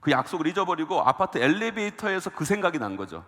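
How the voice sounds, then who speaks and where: Man, pastor, sermon, storytelling, rhetorical questions, animated pitch, long church hall reverb. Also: fast talker. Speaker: guest pastor. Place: church sanctuary.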